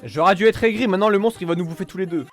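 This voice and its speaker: A young man giving casual, excitable playthrough commentary, slangy and often repeating phrases. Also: high voice, rapid-fire, faint music behind. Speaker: gamer streamer.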